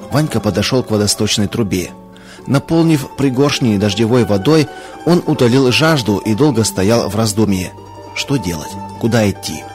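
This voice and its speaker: A man narrating a Christian children's story in a calm, measured way. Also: fairly low pitch.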